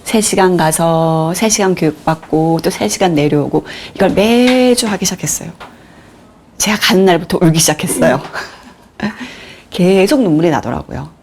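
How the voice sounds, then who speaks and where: A woman's voice: fairly low pitch, moderate pace, a little mellow, a little hiss or hum. A woman in her forties, a lecturer, telling her own story candidly in a talk and acting out the voices she quotes. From Korea. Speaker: lecturer on nonviolent communication. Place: lecture hall.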